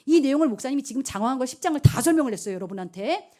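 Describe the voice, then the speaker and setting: A woman pastor preaching to a youth group, retelling a Bible story with lively storytelling. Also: high voice, racing. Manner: animated storytelling, acts out characters.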